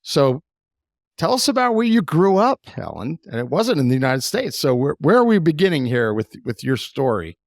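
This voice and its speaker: A man in his sixties co-hosting a podcast, talking in a chatty, animated way that often trails off. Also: a little high, moderate pace, creaky, no room sound, clean studio sound. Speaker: podcast co-host. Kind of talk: casual podcast chat.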